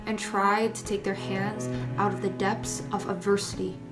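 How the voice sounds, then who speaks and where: A woman performing a scripted dramatic monologue, phrase by deliberate phrase, with pauses for weight. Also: medium pitch, level tone, over loud music. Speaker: reader's theater performer.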